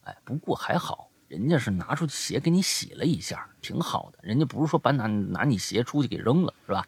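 Animated husky male podcast host. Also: medium pitch, brisk, dry recording. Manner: animated storytelling, drops to a whisper for suspense. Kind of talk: retelling listener stories in casual chat.

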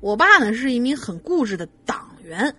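A woman co-host reading a listener's ghost story aloud in an animated way, laughing now and then. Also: fairly high pitch, moderate pace, breathy edge. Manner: animated, laughs while reading, lively voices for quotes.

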